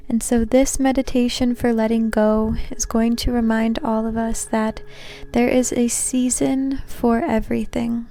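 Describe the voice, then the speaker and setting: Slow, soft-toned woman guiding meditation. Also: on the high side, flat delivery. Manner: soothing, gentle, unhurried. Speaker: meditation guide, host. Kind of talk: guided meditation narration. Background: soft background music.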